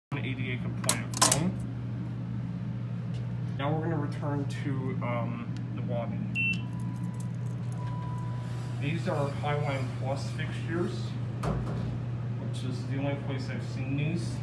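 A man talking at a very slow pace with long, frequent pauses over loud background noise. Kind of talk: casual commentary. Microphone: phone near.

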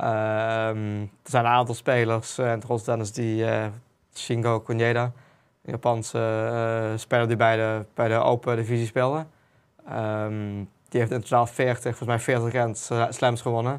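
Medium in pitch, a man speaks at a fairly slow pace in a monotone, flat intonation, recorded very cleanly against a silent background. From Dutch Limburg (Geleen). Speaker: wheelchair tennis player. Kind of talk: interview. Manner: hesitant, many filler sounds.

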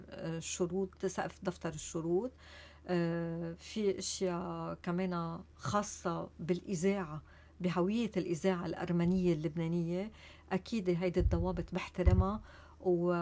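With a Lebanese accent, a woman speaks at a fairly slow pace and a fairly low pitch. Her tone is dark and mellow, her intonation fairly even. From Lebanon. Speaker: radio presenter. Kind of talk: interview. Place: studio. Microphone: studio mic.

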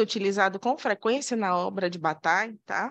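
A woman's lively intonation at a moderate pace. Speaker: psychoanalysis institute associate; presenter. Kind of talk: reading a prepared paper. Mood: calm, explanatory. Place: classroom. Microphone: podium.

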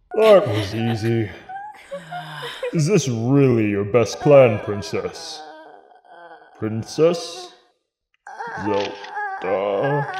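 A man puts on a character voice at a medium pitch, speaking very slowly with long, frequent pauses. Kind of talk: comic dub.

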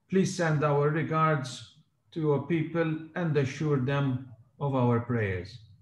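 With audible room echo, a man talks at a very slow pace in a somewhat breathy voice, his pitch varying in an ordinary way. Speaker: event moderator. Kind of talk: formal event hosting. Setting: video call. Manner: formal. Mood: polite, formal. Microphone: webcam.

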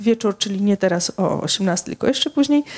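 A woman speaking at a moderate pace. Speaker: festival council representative. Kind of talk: introductory announcement to audience. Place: hall. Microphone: handheld.

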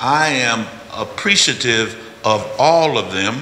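A man speaks at a very slow pace amid audible room echo and light background noise. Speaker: event organizer; event moderator. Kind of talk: closing remarks. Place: hall. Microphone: camera far.

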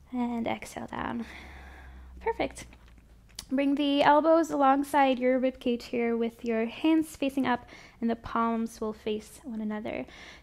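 Fairly slow speech from a woman with a high pitch and ordinary pitch variation. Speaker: yoga instructor. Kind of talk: guided yoga class, spoken cues synced to breath. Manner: warm and encouraging, gently upbeat.

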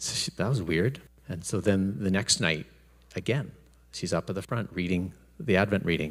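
Against a quiet background, a man speaks at a moderate pace. His pitch is very deep and low. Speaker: youth pastor. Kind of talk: sermon. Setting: church. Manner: conversational. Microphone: handheld.

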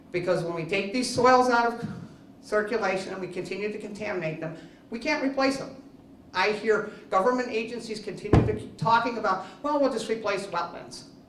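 Over noticeable background noise and audible room echo, a woman speaks at a fairly quick pace with a fairly high pitch and ordinary pitch variation. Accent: American. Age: 60s. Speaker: farmer, public hearing speaker. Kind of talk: public hearing testimony. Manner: impassioned.

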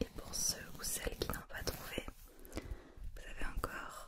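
Soft-spoken, a woman whispers very slowly. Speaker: ASMR creator. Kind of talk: soft-spoken ASMR chat. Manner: soft close-mic ASMR whisper. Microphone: studio mic.

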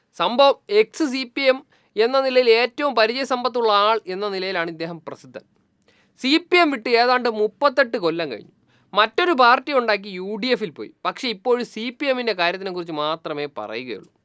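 A fairly high-pitched woman's voice in a normal speaking voice, lively in intonation with big swings in loudness, dry and close with no echo on a very clean recording with a silent background. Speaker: political commentator. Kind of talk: opinion monologue.

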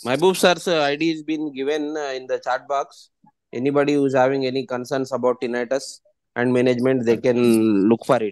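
A man speaks in a normal speaking voice at a medium pitch, with fairly even intonation and a fairly quick pace. The sound is dry with no echo, and the background is quiet. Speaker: association official; meeting host introducing a guest. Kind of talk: speaker introduction. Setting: video call. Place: home room. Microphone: video call.

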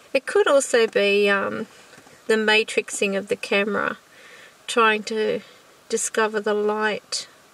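The sound is dry with no echo as a woman talks at a fairly slow pace with fairly even intonation. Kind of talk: ghost-hunting commentary. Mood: curious, hushed, hesitant. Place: car. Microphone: phone near.

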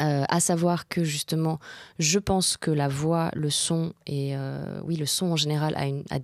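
The voice moves at a fairly slow pace with fairly even intonation. The sound is dry with no echo, against a quiet background. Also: woman. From France, Ardèche; France. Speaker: actress and singer; actress. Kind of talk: interview conversation. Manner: hesitant, many fillers. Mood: calm, reflective. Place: studio. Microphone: studio mic.

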